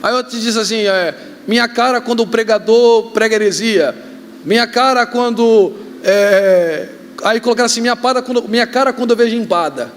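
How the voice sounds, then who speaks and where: A man with a Brazilian accent, a pastor preaching a sermon, joking and telling stories with sudden shouts. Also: very high-pitched, moderate pace, slight background noise. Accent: Brazilian Portuguese. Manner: joking, animated storytelling with shouts. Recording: reverberant hall, faint ambience.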